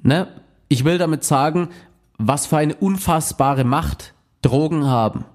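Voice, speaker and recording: A former drug user chats casually about his past experiences in a somewhat high, unhurried, slightly mellow male voice. He speaks bluntly and colloquially, with slang and swearing.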